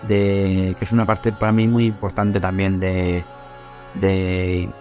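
A man from Spain with a low voice talks about his music in an interview. He is reflective and hesitant, repeating words as he searches for them. Faint music sits behind him. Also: level tone, slow, dark tone. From Albacete, Spain. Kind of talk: interview answers.

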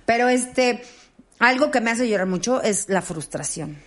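A woman with a Mexican accent in casual podcast chat, acting out her own reactions in a high, drawn-out voice. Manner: expressive, acts out quoted reactions in high, drawn-out voice.

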